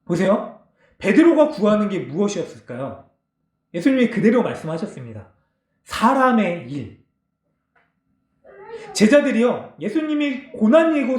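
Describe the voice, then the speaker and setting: A man's voice: high-pitched, a little mellow. A man preaching a sermon as pastor, explaining the text and putting questions to the congregation. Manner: explains and asks the congregation questions, acts out quoted lines. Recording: echoey church hall.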